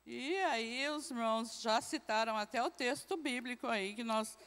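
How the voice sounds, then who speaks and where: A woman's voice: a little high, moderate pace, fairly bright tone. Brazilian woman teaching a church class. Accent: Brazilian Portuguese. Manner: questions the class, frequent tag "né". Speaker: Sunday school teacher. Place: church hall. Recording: long reverb in a church hall.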